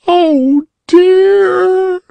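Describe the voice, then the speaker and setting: Tearful little storybook girl, high wailing falsetto put on by a man, slow and sobbing, dry close sound. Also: creaky, no echo, heavily acted.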